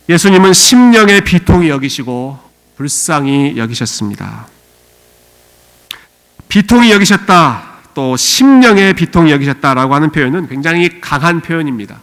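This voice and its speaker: A male pastor preaching a Sunday sermon in a measured voice, with frequent soft fillers, rising to loud cries when he voices mourners. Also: fairly high pitch. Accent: Korean (US immigrant church). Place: church sanctuary.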